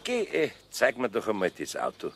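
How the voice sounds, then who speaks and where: A man's voice: on the low side, huge pitch swings, moderate pace, exaggerated voice. A man playing a grumbling but kindly older master craftsman with a Bavarian accent, in a children's radio play. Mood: kindly, amused. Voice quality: gravelly, husky.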